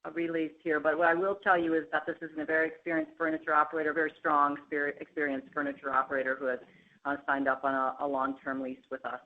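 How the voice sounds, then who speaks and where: A woman executive answering analyst questions on an earnings call in a steady, even manner. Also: low-pitched, quick pace. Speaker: company executive. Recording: tinny phone line.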